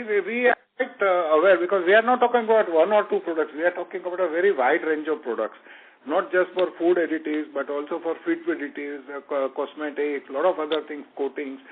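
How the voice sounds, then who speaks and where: Over a narrow, tinny conference phone line, a man with an Indian accent speaks in a fairly high voice. He is a company executive taking investor questions, emphatic and given to repeating words. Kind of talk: earnings call question and answer.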